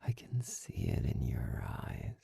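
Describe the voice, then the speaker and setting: A man acting an arrogant, domineering master in an intimate ASMR roleplay, slow and condescending, with a breathy, gravelly voice that often drops into a whisper. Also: warm tone, no room sound, studio quality, close to an everyday voice. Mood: teasing, smug. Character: arrogant, domineering young male master, cold and mocking.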